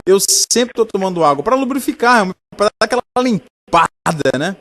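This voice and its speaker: A man's voice: high-pitched, animated, moderate pace, a bit bright. A man with a Brazilian Portuguese accent hosting a radio health show, chatting in an upbeat way with his guest. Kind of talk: casual radio interview.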